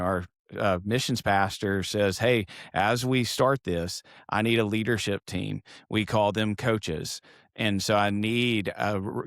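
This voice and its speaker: Low-voiced affirming man hosting. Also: dry recording, clean studio sound. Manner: affirming, frequent agreeing murmurs. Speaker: podcast host, church ministry leader. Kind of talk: conversational podcast interview.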